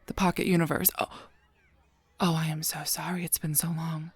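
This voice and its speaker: A woman playing a gentle, guarded guardian angel in a scripted audio roleplay, speaking softly and breathily in a measured, halting, solemn way. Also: low-pitched, flat delivery, no room sound. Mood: gently concerned. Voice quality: soft, breathy, often near a whisper.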